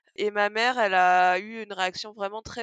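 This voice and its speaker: A woman speaks at a fairly slow pace with a medium pitch and fairly even intonation. The sound is dry and close with no echo, over a quiet background. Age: 20s. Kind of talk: interview. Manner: hesitant, many fillers.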